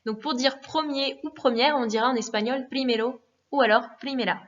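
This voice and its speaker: A woman teaching a lesson in a patient, methodical way, repeating forms and pausing with fillers. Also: high-pitched, steady tone. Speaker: Spanish teacher. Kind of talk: recorded classroom lesson. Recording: dull lo-fi recording.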